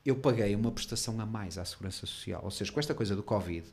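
European portuguese guy ranting about his day, talks quick, kinda fired up. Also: on the low side, creaky. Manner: indignant, animated storytelling. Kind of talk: casual chat.

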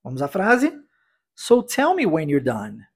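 A man teaching English pronunciation in a podcast lesson, drilling phrases slowly for the listener to repeat. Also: fairly high pitch, wildly swooping pitch, slightly rough. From United States.

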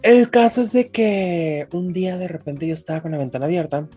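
A woman's voice: on the low side, brisk, dark tone, husky, soft background music. A woman with a Mexican accent telling slangy stories in a casual chat and often laughing, talking over headphones on a remote call. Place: home room, remote call.

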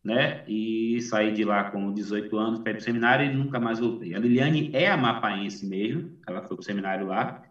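Low-voiced chatty missionary pastor on a call. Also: male voice, moderate pace, fairly bright tone, recorded from a distance. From Salvador, Bahia, Brazil. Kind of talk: sermon over video call. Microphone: video call. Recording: dull, echoey video call from afar.

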